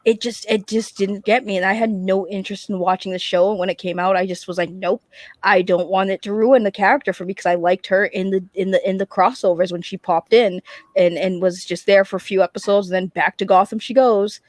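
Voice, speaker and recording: A woman talking casually in a group chat, animated and informal, often repeating phrases as she goes. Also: mid-range voice, brisk, no room sound. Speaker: panelist on an entertainment chat show.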